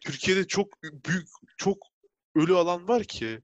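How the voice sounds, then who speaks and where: A man's voice: sits high, lively intonation, unhurried, no echo, dull audio. A man chatting casually, explaining his points in a hedging way. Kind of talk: casual chat.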